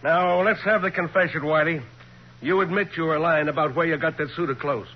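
A man's voice: fairly high pitch, fairly even intonation, a little fast, natural voice. Skeptical, blustering small-town sheriff, acted by a man. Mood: stern, doubting. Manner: sarcastic, blustering, folksy. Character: gruff skeptical small-town male police chief. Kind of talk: 1940s radio acting. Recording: muffled, hissy 1940s radio recording.

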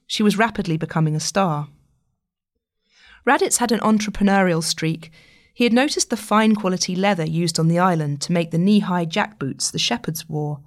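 A woman narrates a long-form piece of journalism. Her voice sits a little lower than most women's. The delivery is scripted, as a writer reading her own feature.

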